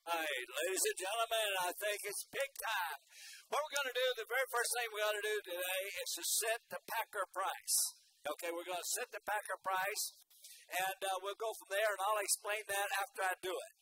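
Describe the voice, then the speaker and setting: An older male auctioneer speaks in a high, sharp voice. His delivery is folksy, repetitive and rhythmic. Arena noise sits clearly behind him. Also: fairly quick, rough recording. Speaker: livestock auctioneer. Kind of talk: auctioneer chant and announcements. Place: indoor livestock show arena. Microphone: microphone at auction stand.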